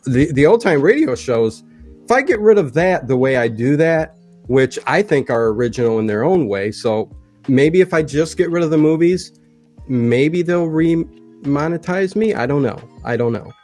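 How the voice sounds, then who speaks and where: A man's voice: a little high, lively intonation, normal speed, a little mellow. Man chatting casually over music. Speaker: guest, streamer. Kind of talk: casual chat. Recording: music playing behind the voice.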